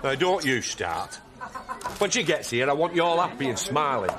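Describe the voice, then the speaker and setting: A man's voice: fairly high pitch, big pitch swings, normal speed. An actor playing a boisterous, jokey man in a television soap drama. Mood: cheerful. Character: boisterous Yorkshire man, proud of his new woman.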